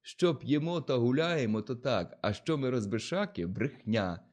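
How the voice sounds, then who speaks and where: A male narrator voicing a defiant, hot-tempered young male villager who talks loudly and scornfully. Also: mid-range voice, expressive, normal speed, lightly acted. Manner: loud, scornful, challenging.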